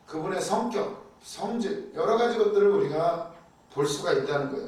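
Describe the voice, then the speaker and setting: A man teaching a Bible class in a conversational church style, chatty and animated, often acting out quoted prayers. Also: sits high. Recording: very echoey room, voice from a distance.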